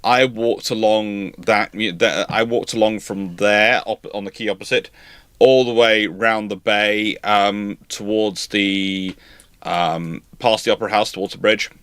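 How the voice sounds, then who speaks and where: Scottish guy rambling on a live q&a, bright voice, dry close sound. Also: fairly low pitch, steady tone, measured pace, clear, resonant tone, no room sound. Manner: chatty, rambling, self-interrupting, laughs at own jokes. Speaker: naval history channel host. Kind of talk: casual live Q&A chat.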